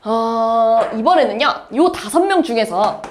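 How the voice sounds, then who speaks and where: A woman's voice: fairly high pitch, animated, a little slow, slight background noise. A woman math teacher lecturing a class, explaining step by step and asking her students questions.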